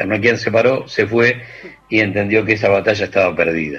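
A man with a Rioplatense accent at medium pitch, ordinary pitch variation and a moderate pace, amid noticeable background noise. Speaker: radio show host. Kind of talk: radio program presentation. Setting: video call.

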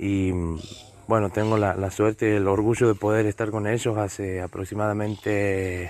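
His pace stays moderate. The man's voice sits fairly low in pitch. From Santiago del Estero, Argentina. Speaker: folk musician. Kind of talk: recorded interview testimony. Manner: halting.

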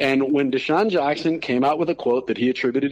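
Fairly quick delivery in an unremarkable speaking voice. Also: man. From US West Coast, San Francisco Bay Area. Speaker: sports podcast host. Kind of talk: casual chat.

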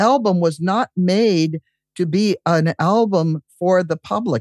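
A man with an American accent talks at a very slow pace, the sound dry and close with no echo against a quiet background. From Massachusetts. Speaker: memoirist and rock musician. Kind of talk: interview conversation.

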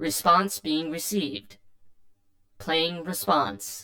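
The pitch sits low-to-middle but swings very widely. The pace is very slow. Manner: flat, repetitive, mechanical.

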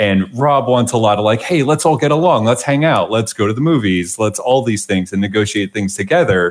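With lively intonation and very even loudness, a man of medium pitch speaks at a fairly quick pace with hardly any pauses. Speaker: caller. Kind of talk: casual chat. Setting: video call.

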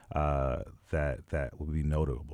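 A man with a New York accent and a dark, mellow tone, on a very clean recording with a silent background. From New York City. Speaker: music manager and club promoter. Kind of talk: casual chat.

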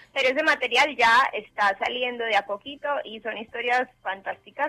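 This woman's voice is fairly high in pitch and shows ordinary pitch variation. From Colombia, Medellín. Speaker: children's music performer. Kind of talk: interview.

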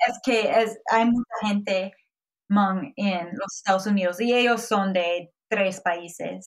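A woman with an English accent, medium pitch, fairly even intonation and a very slow pace. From US Midwest, Minnesota. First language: English (speaking Spanish). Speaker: hospital physician, podcaster. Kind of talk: interview. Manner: halting.

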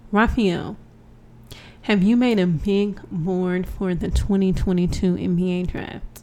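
A woman speaks in a dark, mellow tone with fairly even intonation. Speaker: host's fiancée reading listener questions. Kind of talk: casual chat. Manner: put-on podcast voice.

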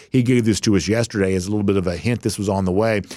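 Talking at a very fast pace with a Southern US accent, a man with a fairly low pitch comes through on a very clean recording with a silent background. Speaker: sports podcast host. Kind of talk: solo sports commentary podcast. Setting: studio. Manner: casual, self-deprecating, conversational.

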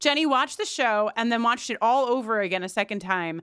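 The speech moves at a moderate pace with ordinary pitch variation, recorded very cleanly against a silent background. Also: woman. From New York. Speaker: podcast co-host. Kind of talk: casual chat.

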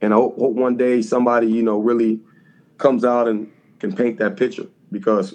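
A man with an American accent talks at a fairly quick pace in an unremarkable speaking voice, his pitch medium and its variation ordinary. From Chicago area, Illinois. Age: young. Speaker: basketball assistant coach, former player. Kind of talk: casual interview. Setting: phone call.

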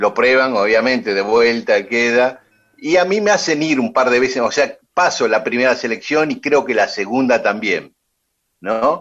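In an unremarkable speaking voice, a man of medium pitch talks at a fairly slow pace with lively intonation and very even loudness. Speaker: radio host. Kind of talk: casual chat. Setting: home studio.

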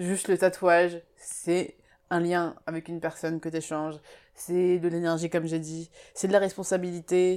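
A woman's monotone, flat delivery on a very clean recording with a silent background. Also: fairly low pitch for a woman, moderate pace. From France (Paris), Japanese-raised. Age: 20s. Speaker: tattoo artist. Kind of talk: casual interview. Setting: tattoo studio in Paris. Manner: halting, lots of fillers.

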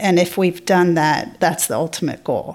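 Fairly even intonation marks a normal speaking voice with an American accent. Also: woman. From Virginia, US South. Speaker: TV director. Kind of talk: interview.

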